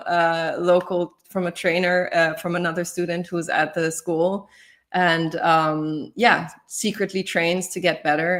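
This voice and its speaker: A woman from the Philippines, an actor and filmmaker, chatting candidly with a lot of laughter in an interview over a video call. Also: lowish voice. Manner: laughs often, animated and candid. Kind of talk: casual interview chat.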